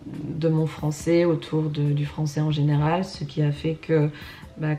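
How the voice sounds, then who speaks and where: A woman's voice: low voice, dark tone, slight background noise. A woman in her twenties telling her own story in a chatty, casual way, with lots of fillers and bursts of emphasis. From Germany and France, Russian-Canadian. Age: 20s. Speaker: vlogger.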